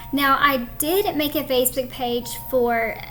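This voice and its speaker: With noticeable background noise and audible room echo, a woman speaks in a Southern US accent with fairly even intonation. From US South. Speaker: true crime YouTuber. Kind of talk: casual Q&A. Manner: conversational, many fillers.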